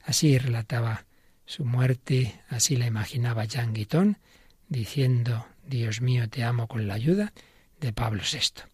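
A man hosting a religious radio program, telling a story in a measured reading manner. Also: mid-range voice, slightly rough, no echo.

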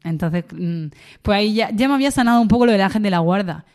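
A woman's voice: medium pitch, expressive, quick pace, darkish tone. A young university student, a woman, sharing a personal faith testimony in an interview, with many fillers and restarts. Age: young adult.

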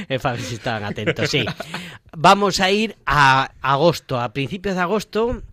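A man's voice: fairly high pitch, lively intonation, moderate pace, bright, forceful tone, no room sound. A man hosting a casual radio chat, playful and joking about his own stumbles. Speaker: radio show host, seminarian.

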